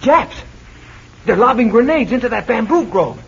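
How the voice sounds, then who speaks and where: An actor playing a wisecracking young male sidekick with a tommy gun, talking in slangy, quick quips in 1940s radio style. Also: extremely high pitch, big pitch swings, gravelly, exaggerated voice. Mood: wry. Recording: dull, hissy old radio recording.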